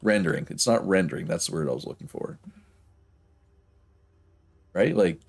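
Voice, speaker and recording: A man's voice: low-pitched, lively intonation, moderate pace, vocal fry, slightly rough. A man streaming a factory-building game, thinking aloud casually with a stuffed-up nose and frequent chuckles. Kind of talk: casual gameplay commentary.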